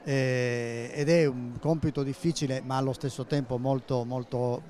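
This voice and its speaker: A man in his sixties speaks in a measured, medium-pitched voice, pausing on fillers as he explains. He is interviewed at an exhibition stand through a handheld microphone. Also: steady tone, darkish tone. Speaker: journalist and interviewee. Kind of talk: interview at a book fair stand. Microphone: handheld interviewer mic.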